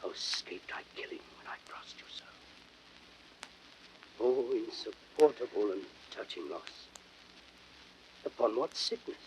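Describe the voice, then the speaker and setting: A man's voice: on the low side, lively intonation, a little slow, pauses often, in a whisper. An actor playing a passionate, wounded, hot-tempered Roman nobleman, declaiming verse in a classical Shakespearean audio drama. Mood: shocked, sorrowful. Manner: impassioned, declamatory theatrical verse delivery. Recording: dull, noisy vintage drama record.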